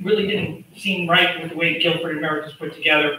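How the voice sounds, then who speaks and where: Through audible room echo, a man with an American accent speaks in a raised, projected voice at a fairly quick pace with ordinary pitch variation. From Massachusetts. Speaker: public hearing testifier. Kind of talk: public testimony. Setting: public hearing room. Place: hall. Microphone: camera far.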